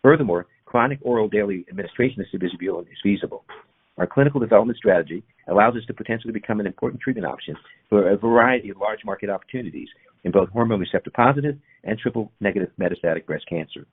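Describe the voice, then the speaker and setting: A man with a lowish voice reads a prepared corporate update at a brisk clip. His delivery is formal and technical, like an executive addressing investors. The audio is dull and band-limited, as on a conference call. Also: animated, slightly rough. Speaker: company executive presenting on an earnings call. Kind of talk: scripted corporate presentation read aloud.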